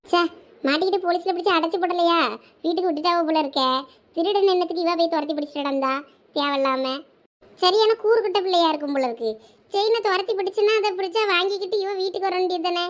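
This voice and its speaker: A woman plays an exasperated cartoon village mother with an extremely high voice. She rattles through her complaints in a Thoothukudi Tamil accent, fretting and repeating herself as she scolds. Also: fast. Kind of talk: cartoon village drama dialogue.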